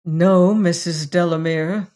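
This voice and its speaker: A woman's voice: on the low side, steady tone, takes it slowly, warm tone. Woman playing a grave, proud young gypsy woman. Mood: controlled, calm. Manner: curt, grave, self-controlled.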